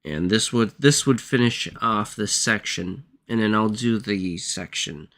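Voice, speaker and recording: A man who is sick and losing his voice, working through textbook math problems aloud in a halting, apologetic way. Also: fairly low pitch, fairly bright tone. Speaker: math tutor.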